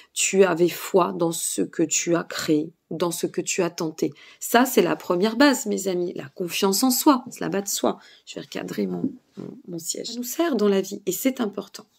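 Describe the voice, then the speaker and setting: A woman's voice: lowish voice, vocal fry, a little mellow. Tired woman with a Burgundian accent. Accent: Burgundian French. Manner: hesitant, many fillers, checks in with listeners. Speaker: spiritual guidance consultant. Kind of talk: casual talk to camera giving advice. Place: seated indoors.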